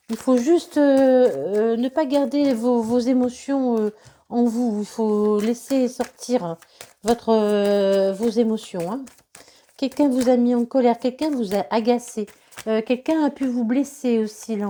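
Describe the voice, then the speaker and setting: Woman tarot reader, stuffy from a cold, mellow higher voice, halting and repetitive delivery. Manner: hesitant, many fillers and repetitions. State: has a cold. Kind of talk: tarot reading guidance.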